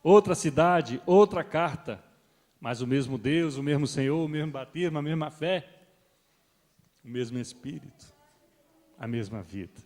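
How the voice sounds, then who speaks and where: A middle-aged man preaching a sermon as pastor, swelling loud on key points and then dropping soft. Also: on the high side, animated, measured pace, pauses often. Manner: rises and swells with emphasis, then drops soft. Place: church hall. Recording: long reverb of a church hall.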